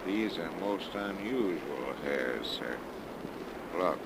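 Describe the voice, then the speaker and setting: A stubborn police detective talks in a plain, folksy way with a deep voice. Hiss from an old 1930s radio recording runs underneath. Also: male voice, expressive, full character voice. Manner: plain, folksy, slow-spoken. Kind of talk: 1930s radio drama acting.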